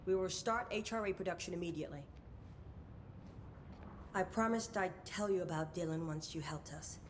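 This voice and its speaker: An actress plays a secretive, senior woman scientist in a video game. She has a very low voice and a stern, formal, measured delivery. A faint rumble sits behind her. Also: close to an everyday voice. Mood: grave, controlled. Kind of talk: game cutscene dialogue.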